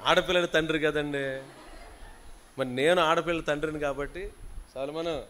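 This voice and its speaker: A man with a high voice leads his congregation in a sermon, scolding and teasing them by turns. His voice is bright and sharp. He calls on them to shout back answers, and he drops to quiet asides between rising rebukes. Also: fairly even intonation, moderate pace, slight background noise. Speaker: pastor. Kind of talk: sermon at a fasting prayer meeting.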